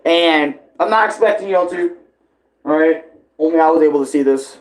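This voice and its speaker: A man's voice: fairly high pitch, moderate pace, rough recording. A man doing casual live reaction commentary as a streamer, talking in slang with a lot of swearing.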